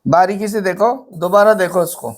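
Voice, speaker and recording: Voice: mid-range voice, fairly even intonation, normal speed. An English literature teacher giving an exam-prep lecture, patiently counting syllables aloud, asking rhetorical questions and mixing English terms into the explanation.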